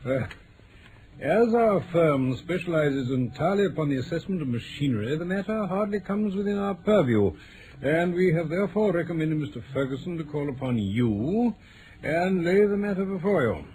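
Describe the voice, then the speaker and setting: An actor playing Dr Watson, a genial, slightly hesitant English gentleman who narrates detective tales in a vintage radio drama. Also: a little high, expressive, moderate pace, natural voice. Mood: puzzled. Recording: noisy old radio drama recording.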